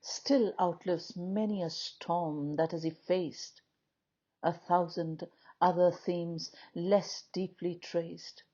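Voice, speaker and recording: Female poetry reader, lowish husky voice, solemn and measured dramatic delivery, slightly muffled lo-fi sound. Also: steady tone, dark tone. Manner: measured, declamatory, with frequent pauses between short phrases.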